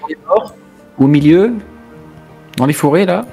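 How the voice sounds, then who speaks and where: A man's voice: on the high side, expressive, unhurried, vocal fry, warm tone, husky, faint music behind. A man playing a tabletop roleplaying game, chatting casually in a playful, clowning manner. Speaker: player.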